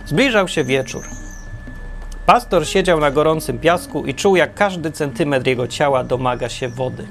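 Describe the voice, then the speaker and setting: A man narrating a parable in a wry, deadpan storytelling manner. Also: fairly high pitch, moderate pace, gravelly, soft background music. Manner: wry, deadpan humor with self-corrections.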